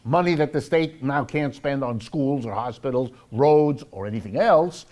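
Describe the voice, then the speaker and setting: A man's voice: medium pitch, moderate pace, a little mellow. An American man giving a live public lecture, sarcastic and emphatic, drawing out key words for effect. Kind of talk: live lecture with read-out quotes and commentary.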